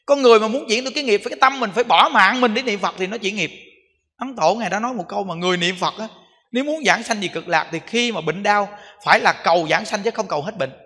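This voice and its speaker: High, bright-voiced Southern Vietnamese monk preaching. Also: male voice, fast. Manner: emphatic, repetitive, rhetorical questions to the audience. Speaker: Buddhist monk giving a dharma talk. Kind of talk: sermon. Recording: long hall reverb.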